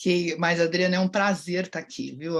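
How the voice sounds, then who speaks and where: In an ordinary speaking voice, a woman talks at a fairly quick pace. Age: 60s. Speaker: relationship mentor. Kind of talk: interview podcast.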